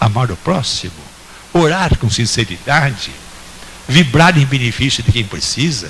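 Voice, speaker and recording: A man talks at a fairly slow pace, his pitch swinging very widely. Noticeable background noise is present. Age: 90s. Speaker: spiritist lecturer. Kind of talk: lecture.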